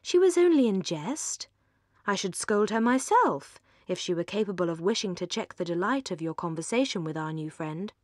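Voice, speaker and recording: A woman with an English accent voicing an indulgent middle-aged Regency mother in a storybook, gentle and placating. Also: on the low side, expressive, moderate pace, no echo, clean studio sound. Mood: soothing.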